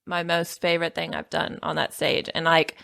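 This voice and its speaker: A woman's voice: low voice, completely flat delivery, moderate pace, vocal fry, a bit bright. A woman chatting casually as a comedy performer and podcast guest, in a playful, joking manner. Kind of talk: casual chat.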